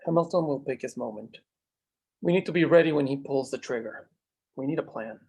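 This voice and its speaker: A man playing a worried, cautious ally of a small-town lawman with a husky voice, in a drama table read. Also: medium pitch, a little fast, darkish tone. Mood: wary.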